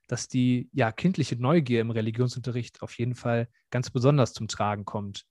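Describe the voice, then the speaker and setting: A man's voice: mid-range voice, darkish tone, no echo. Young man, student teacher guest, reflective, earnest, dry recording. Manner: reflective, earnest, many fillers. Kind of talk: podcast interview.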